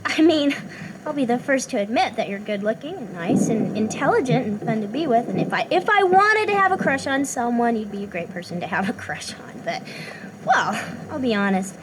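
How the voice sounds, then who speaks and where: A teasing, playful young woman, played by an actress in an audio drama. Her voice is high and bounces around a lot in pitch. Clear ambient noise runs under her lines. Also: animated, brisk, natural voice.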